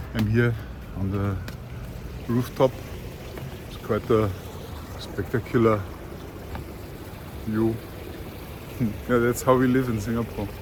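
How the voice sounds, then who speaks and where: Noticeable background noise accompanies a man who goes at a fairly slow pace with ordinary pitch variation. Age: 60s. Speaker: vlogger and powerlifter. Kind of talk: casual vlog monologue. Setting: outdoors on a rooftop. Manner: hesitant, many fillers.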